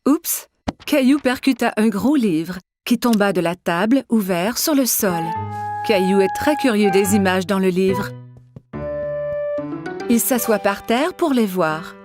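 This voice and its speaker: A woman's voice: mid-range voice, lively intonation, measured pace, over music. A woman reading scripted narration for a children's cartoon story.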